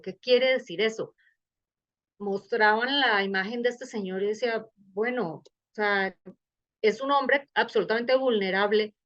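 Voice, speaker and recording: A woman's voice: on the high side, dull audio. A middle-aged woman with a Colombian accent, giving a bioethics lecture in a webinar in a conversational, engaged way that poses questions to the audience. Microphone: video call.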